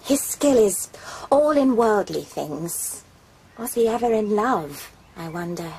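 An actress playing a lively, curious, tale-telling nun in a radio drama, animated and expressive. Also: female voice, mid-range voice, slow pace, creaky, a little hiss or hum. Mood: earnest, curious.

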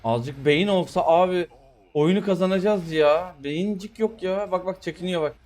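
A man commentating his own mobile game match, griping about his teammates with sudden excited outbursts. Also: high-pitched, moderate pace. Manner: exasperated, complaining about teammates. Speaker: gamer streamer. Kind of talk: live gameplay commentary.

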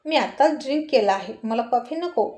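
A woman's voice: on the high side, animated, fairly quick, dark tone, echoey room, natural voice. Woman voicing playful young husband.

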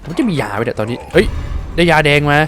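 A man doing casual let's-play commentary, excitable and exclaiming at the action. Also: a little high, fast talker, a little hiss or hum. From Thailand. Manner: excitable, exclaims and swears at the game. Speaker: gaming streamer.

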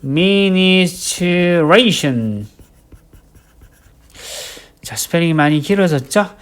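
Male vocab instructor, lively up-and-down delivery, drills each word over and over. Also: sits high. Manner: drills words by slow repetition, writes as he explains. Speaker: English vocabulary teacher. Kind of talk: recorded vocabulary lecture.

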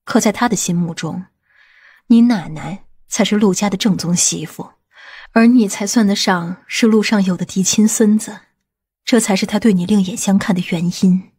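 A woman playing a composed, authoritative middle-aged aunt in audiobook drama dialogue, speaking in a measured way. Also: medium pitch, mellow, slightly rough. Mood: gentle, reflective.

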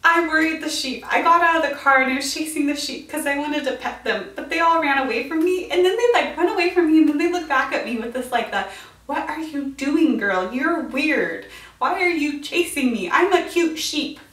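A woman's voice: high-pitched, lively intonation, normal speed, fairly bright tone. An American woman in her twenties telling a story casually and dramatically to camera, in a chatty way. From United States. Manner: chatty, dramatic retelling with quoted reactions. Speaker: vlogger. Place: indoors, small bright room with bookshelf. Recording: roomy echo, distant mic.

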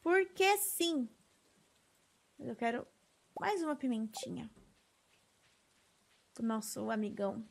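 A woman's voice: on the high side, lively intonation, measured pace, creaky, long pauses, a little mellow, slightly rough. A woman with a Brazilian Portuguese accent, chatting to herself while playing a farming game. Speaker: streamer. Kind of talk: gameplay commentary.

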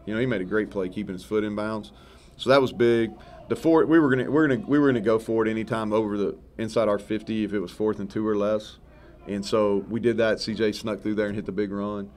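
Talking fast with few pauses, a man in his thirties with a fairly low voice answers post-game questions as a football head coach. A little hiss or hum sits under the audio. He's frank and relaxed, rambling and self-correcting, at a mic-crowded press table before a sponsor backdrop.

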